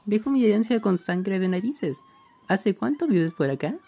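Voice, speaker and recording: A woman plays a fatalistic Chilean gay teen in a radio drama. The voice is mellow and creaky with lively swings in pitch, over soft music. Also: moderate pace. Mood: curious. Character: melancholy, fatalistic gay teenager leaving a testament. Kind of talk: rhymed radio play monologue.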